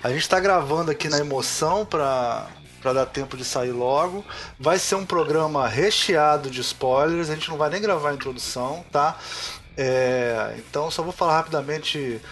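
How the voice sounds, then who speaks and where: A male podcast host with a Brazilian Portuguese accent chats casually and without a script. His voice sits a little high for a man, with music clearly audible behind it. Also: normal speed, a bit bright. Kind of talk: casual unscripted chat.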